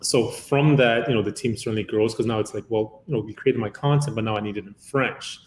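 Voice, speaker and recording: A man's voice: fairly low pitch, a little fast, a little hiss or hum. Chatty man from Uganda, roomy sound. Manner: long-winded, many "uh" fillers. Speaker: guest, company founder. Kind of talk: conversational interview answer.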